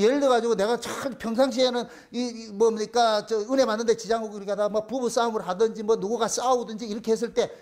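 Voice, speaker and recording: A male pastor preaching a sermon in an emphatic, repetitive way, asking many rhetorical questions. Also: very high-pitched.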